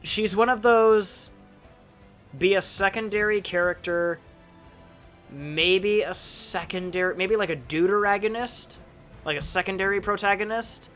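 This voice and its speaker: Young male host, bright and slightly high voice, rambling casual chat with faint music. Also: unhurried. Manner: rambling, animated, frequent restarts and fillers. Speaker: channel host.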